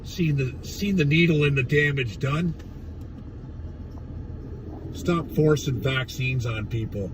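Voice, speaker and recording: A man with a raspy voice gone hoarse from days of yelling, ranting bluntly and profanely on a casual livestream from inside his truck. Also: mid-range voice, slow pace, long pauses, far from the mic, noisy background. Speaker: livestreamer at a protest. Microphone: phone.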